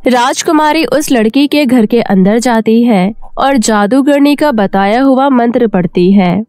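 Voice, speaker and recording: A woman's voice: a little high, measured pace, a little mellow, dry recording. A woman storyteller reading a scripted children's fairy tale narration. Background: faint music.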